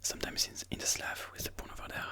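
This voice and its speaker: An ASMR host giving chess commentary in a breathy, unvoiced whisper, explaining moves slowly and deliberately. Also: bright, forceful tone.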